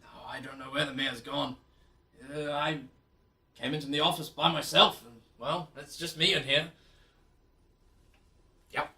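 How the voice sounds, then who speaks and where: A man's voice: a little high, fairly even intonation, a little slow, pauses often, sharp tone. A man voicing a flustered museum director trapped in his office, polite and a little bumbling. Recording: roomy, distant mic.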